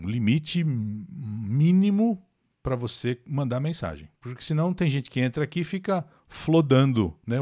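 Lively older Brazilian teacher, close and dry. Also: male voice, mid-range voice, dry recording. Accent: Brazilian Portuguese. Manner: lively, explanatory, answers chat viewers by name. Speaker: English teacher hosting a live class. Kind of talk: live online English lesson.

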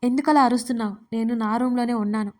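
A woman's voice: a little high, fairly even intonation, fast talker, darkish tone, lightly acted. A woman voicing a moody, teasing young woman who speaks curtly on a late-night call. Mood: petulant. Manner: curt and petulant.

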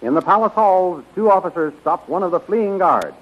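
A man's voice: sits high, animated, normal speed. An American man narrating a 1930s radio serial as its announcer, with a dramatic, emphatic delivery. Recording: muffled, noisy 1930s radio recording.

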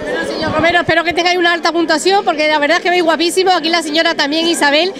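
A woman's voice: extremely high pitch, little pitch movement, very fast. A woman reporter interviewing people at a crowded event with a handheld mic, chatty and full of compliments. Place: busy crowded hall and street. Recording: noisy crowd around.

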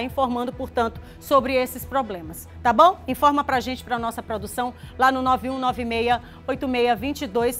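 A woman, presenting a live regional TV news show in a studio. She talks to viewers in a chatty, direct way, often checking in with "tá?" and greeting them by name. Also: on the high side. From Maranhão, Brazil. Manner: reads viewer messages aloud, greeting them warmly by name.

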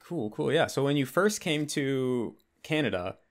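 A man's voice: medium pitch, expressive, measured pace. A man in his twenties with an American accent, hosting a casual, conversational interview. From United States. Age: 20s. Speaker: interviewer, host. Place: bedroom at home.

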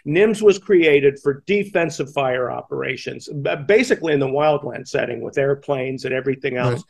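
An American man in his sixties explaining things emphatically in an interview, halting and repeating the starts of words. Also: mid-range voice, gravelly. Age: 60s. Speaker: fire command instructor and podcast guest. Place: indoor room, on a video call. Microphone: headset boom mic.

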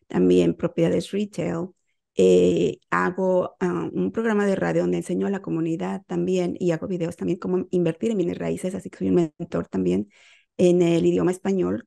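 A woman in her thirties from Mexico City with a Mexico City Spanish accent, giving steady, explanatory interview answers over a video call. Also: on the low side, creaky. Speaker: guest, real estate investor. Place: home office on a video call.

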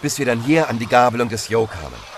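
A male amateur angler, a shaken witness in a crime radio play. He talks bluntly and colloquially in a medium-pitched voice, with clear outdoor noise behind. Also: very animated, fast talker. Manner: plain-spoken, colloquial. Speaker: actor in a crime audio drama.

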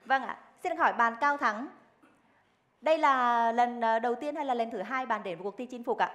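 A woman's voice: on the high side, normal speed, a bit bright. A young woman hosting a game show, reading quiz questions in a formal, articulate way into a headset microphone. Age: young adult. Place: TV studio stage.

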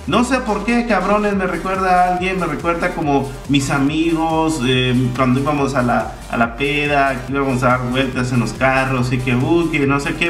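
A man's voice: fairly high pitch, fairly bright tone. A man in his twenties with a Mexican accent, chatting casually and slangily to camera as a YouTuber. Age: 20s. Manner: informal, slangy, swearing. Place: room at home with tiled floor. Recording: roomy echo, distant mic, faint music.

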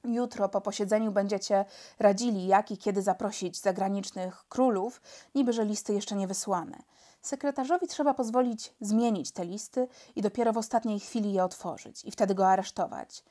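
Lady doing a polite calm spy chief, soft-spoken gentleman, mellow tone, storybook reading. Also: medium pitch, moderate pace, close to an everyday voice. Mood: persuasive. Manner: mild, courteous, gentle-spoken.

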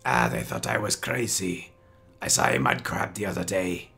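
Gruff fantasy townsman, very gravelly and deep, disgusted, music behind. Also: expressive, moderate pace, pushed and bright, full character voice. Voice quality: gravelly, raspy.

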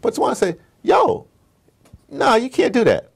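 Guy in an interview going off about politics, super animated, slangy, voice swings all over. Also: very high-pitched, measured pace, vocal fry, breathy edge. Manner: animated, emphatic storytelling, acts out dialogue; informal street slang, rhetorical questions. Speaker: interview guest. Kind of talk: passionate conversational political commentary.

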